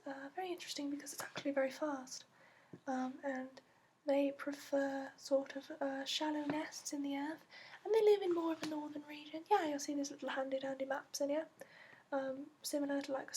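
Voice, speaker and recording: A woman playing a gentle female dragon expert in a soft-spoken, partly whispered ASMR fantasy roleplay, explaining slowly and hesitantly in a put-on accent. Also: high-pitched, slight background noise, close to an everyday voice. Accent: put-on, non-native to the performer.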